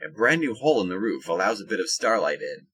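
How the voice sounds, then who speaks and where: A man's voice: lowish voice, big pitch swings, fast talker, fairly bright tone, husky, low-quality recording. A man narrating a scripted audio drama as its storyteller.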